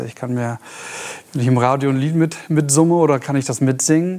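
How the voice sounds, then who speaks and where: Dark, mellow tone at a moderate pace, with ordinary pitch variation. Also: man. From northern Germany, Bremen. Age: 30s. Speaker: car accident survivor with amnesia. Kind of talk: talk show interview. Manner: halting.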